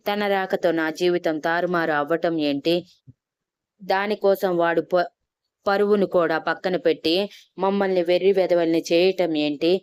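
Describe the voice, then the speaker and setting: A woman voicing a grieving older male farmer who broods slowly over his ruined life in an audio story. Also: on the low side, darkish tone, clear, resonant tone, no room sound, natural voice.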